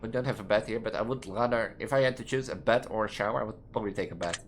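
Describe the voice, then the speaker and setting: A young trans woman with a Dutch accent, reading quiz questions aloud and answering them in a rambling, halting way that restarts words mid-sentence, from her student apartment. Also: a bass voice, a little hiss or hum. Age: young adult. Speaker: gaming video creator.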